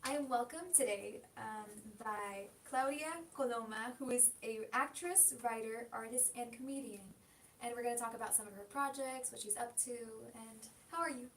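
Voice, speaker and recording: A woman hosting an interview, asking questions and adding frequent affirming hums. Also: moderate pace. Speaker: host. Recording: roomy, distant mic with faint rumble.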